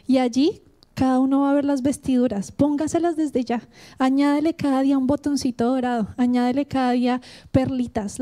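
A woman preaching a sermon in a fairly high, mellow, warm voice. She speaks with earnest, heartfelt feeling, addressing the congregation directly as she weaves personal testimony into her preaching.

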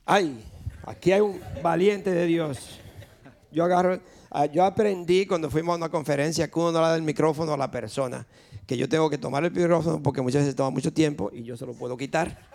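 A male pastor preaching and questioning his congregation in a quick, lively manner during a church service. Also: fairly high pitch, creaky.

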